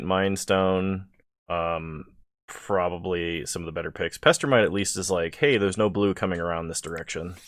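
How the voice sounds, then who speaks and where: A man's voice: low voice, a bit bright, dry recording, clean studio sound. A sleepy man giving casual gameplay commentary, thinking aloud as he weighs each choice. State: sleepy, yawning. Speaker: video creator drafting cards.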